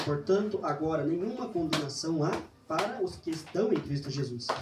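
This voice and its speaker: A soft-spoken man with fairly high pitch talks at a moderate pace with ordinary pitch variation. Audible room echo and noticeable background noise are present. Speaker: lay preacher. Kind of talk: sermon. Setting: church.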